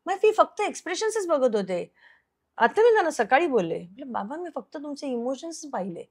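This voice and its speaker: Earnest actress telling a personal story. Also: female voice, high-pitched, very animated, a little fast. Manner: earnest, recounts events by acting out quoted dialogue; slips English phrases into her speech. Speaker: television actress, interview guest.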